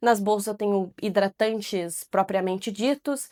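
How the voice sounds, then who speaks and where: A woman's medium-pitched voice at a moderate pace with fairly even intonation, dry and close with no echo, on a very clean recording with a silent background. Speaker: lifestyle vlogger. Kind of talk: casual vlog talk to camera. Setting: home office. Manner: clear diction.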